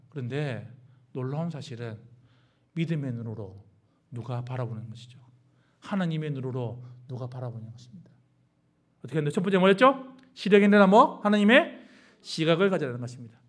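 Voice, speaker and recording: A middle-aged male pastor preaching a sermon, asking the congregation constant questions and swinging from hushed lines to loud exclamations. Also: on the high side. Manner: call-and-response preaching with many questions to the congregation.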